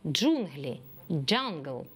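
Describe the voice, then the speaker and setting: Slow, lively woman teaching English. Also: low voice. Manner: slow, clear lesson delivery, mixing English and Ukrainian. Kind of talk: TV lesson for children.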